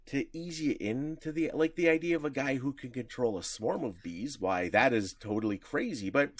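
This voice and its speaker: A podcast co-host chats casually, rambling along with frequent chuckles while his pitch jumps around. His voice is animated and moderately paced, recorded with no echo.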